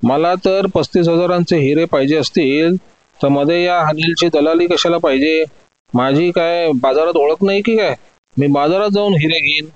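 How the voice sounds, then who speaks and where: A man's voice: on the high side, dry recording, muffled recording, lightly acted. A man voicing an older male diamond merchant who is proud and indignant, protesting every accusation. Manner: protesting, quick to take offence.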